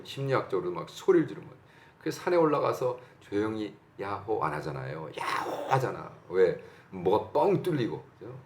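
A middle-aged man from Korea preaching a sermon with emphatic bursts, shouting lines and acting out quotes. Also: on the low side, roomy sound, a little hiss or hum. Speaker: pastor.

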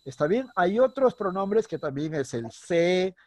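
A man's voice: sits high, big pitch swings, no room sound. Patient male teacher with a dry sound. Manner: patient, checks in constantly with short questions; slows down and stresses words when explaining. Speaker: primary school teacher. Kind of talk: online class lesson. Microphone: computer mic on a video call.

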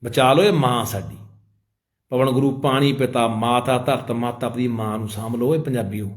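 Male activist with a Punjabi accent, mid-pitched voice, emotional and pleading appeal to the public. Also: moderate pace. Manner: pleading, emotional, addresses listeners as brother.

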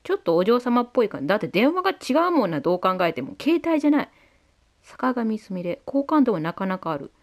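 A woman with a Kansai accent giving playful, excitable let's play commentary. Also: fairly high pitch, fast, slight background noise. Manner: playful, excitable, shouts at the screen. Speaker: game commentator.

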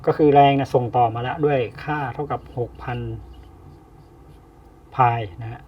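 A man teaching an engineering problem step by step, pausing often with fillers as he explains. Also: mid-range voice, fairly even intonation. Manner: slow, explains with many pauses and fillers. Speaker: engineering tutor. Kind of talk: step-by-step lecture. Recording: distant, dull lo-fi mic.

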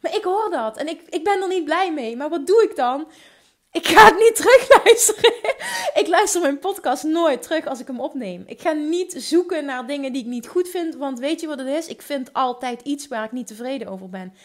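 A woman with a Limburg accent, hosting a solo podcast, talking in an energetic, enthusiastic way with quick restarts. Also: high-pitched. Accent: Limburg Dutch. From Limburg, Netherlands. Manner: energetic, enthusiastic, talks fast with many restarts. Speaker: podcast host.

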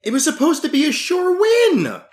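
A man's voice: extremely high pitch, huge pitch swings, moderate pace, reverberant. A man playing a tabletop game with a playful, cocky manner. His voice swings widely up and down. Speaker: tabletop player.

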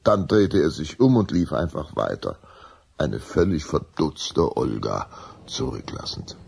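A man narrating a children's radio play as a suspenseful, deliberate storyteller. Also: very deep voice, very animated, vocal fry, darkish tone, husky.

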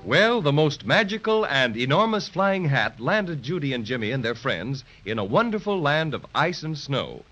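A man narrating a children's radio story in a gentle storyteller's manner. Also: on the high side, big pitch swings, normal speed, hardly any pauses. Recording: dull lo-fi 1930s radio transcription.

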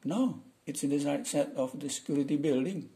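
A man voicing a young male office worker who tells a coworker about commuting by train, reading his English slowly. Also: a little high, mellow, pitched above the performer's own voice, close to an everyday voice. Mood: easygoing.

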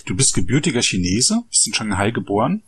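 A man's voice: on the low side, sing-song, brisk, a bit bright, slightly rough, no room sound. A man hosting a podcast interview, friendly and direct with his questions. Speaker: podcast host. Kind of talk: casual interview. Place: Berlin.

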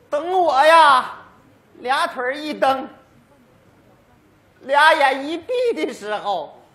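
A man's voice: sits high, fairly bright tone, heavily acted. A man playing a stubborn, touchy old widowed father in a stage comedy sketch, grumbling and sarcastic. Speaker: sketch actor. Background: audience laughter.

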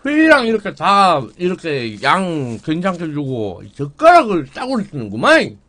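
A man's voice: a little high, wildly swooping pitch, measured pace, sharp tone. A young man streaming a mukbang, chatting casually to viewers while chewing food. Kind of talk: casual live-stream chat.

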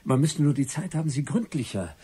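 An actor playing an inquisitive, wry writer turned amateur detective, musing and ironic, in a German radio crime drama. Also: male voice, fairly high pitch, sing-song, brisk, dark tone, a little hiss or hum.

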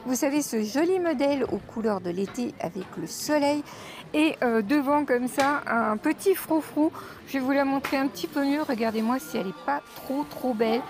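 Female shopping vlogger, high voice, casual and chatty, phone-recorded in a store aisle. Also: normal speed, a little mellow, faint music behind. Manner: chatty, addresses viewers as girls, many fillers.

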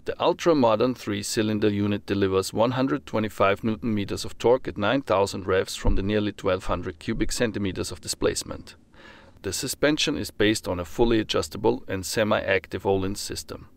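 A man reading a scripted motorcycle review as voice-over, in a steady, formal manner. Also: lowish voice, brisk, creaky. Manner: steady, formal read-through of technical details.

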